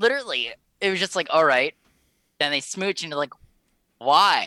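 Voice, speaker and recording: A man speaks in a raised, projected voice, high for a man, with a bright, sharp, animated tone and lively intonation. His pace is moderate with long, frequent pauses, and the sound is dry and close with no echo. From Alberta, Canada. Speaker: filmmaker and actor. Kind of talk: casual chat.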